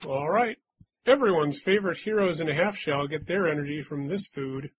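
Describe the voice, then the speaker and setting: On poor audio, a slightly high male voice with a breathy edge moves at normal speed. He's a podcast quiz host running a casual game, teasing listeners as he reads clues and humming small doot-doot jingles.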